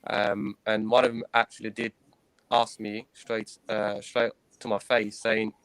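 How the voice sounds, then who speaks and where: A man in his thirties, a guest in an interview, recounting his own experiences in an earnest, hesitant way, pausing and restarting often. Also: fairly low pitch, flat delivery, a bit bright, clean tone, no room sound. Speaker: guest, former professional cricketer.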